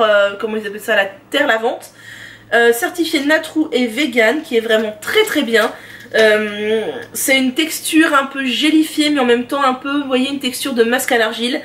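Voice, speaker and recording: A high-voiced beauty and lifestyle vlogger chats enthusiastically at home, reviewing her favorite products in a casual monologue. She drops in small filler pauses, and her fairly bright voice sounds distant from the mic.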